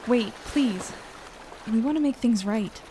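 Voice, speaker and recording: A woman's voice: a little high, a little slow, dark tone, slight background noise, lightly acted. A woman playing a level-headed, conciliatory young negotiator in an audio drama, speaking earnestly and casually as she reasons. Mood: pleading.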